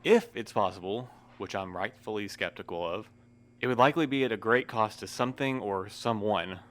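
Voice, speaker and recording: A man's voice: on the low side, moderate pace, a bit bright, close to an everyday voice. A man playing a formal, weary, wry postmaster in an audio drama, speaking in precise, wordy sentences. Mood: guarded, formal. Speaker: voice actor in a fiction podcast. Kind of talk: scripted audio drama acting.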